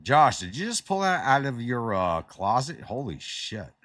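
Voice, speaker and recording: A middle-aged man giving casual livestream commentary on a strategy game, excitable and swearing at the game. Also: medium pitch, unhurried, dry recording, studio quality. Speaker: game streamer.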